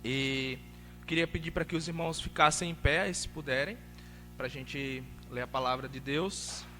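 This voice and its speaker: High bright-voiced Northeastern Brazilian preacher. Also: male voice, moderate pace, big-room sound, soft background music. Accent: Alagoas Northeastern Brazilian Portuguese. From Alagoas, Brazil. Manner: conversational, building to emphatic preaching. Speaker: missionary preacher. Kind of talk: sermon. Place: church sanctuary.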